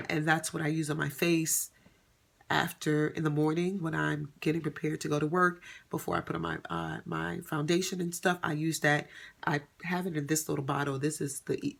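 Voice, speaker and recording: A woman's voice: low voice, vocal fry. A woman in her thirties chatting casually to camera as a vlogger, rambling with many ums and self-corrections. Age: 30s. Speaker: beauty vlogger.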